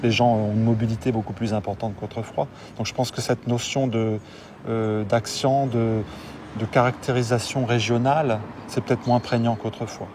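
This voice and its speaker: A man's voice: mid-range voice, fairly even intonation, moderate pace. A man talking unscripted as an interviewee. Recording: distant mic, noisy outdoor street.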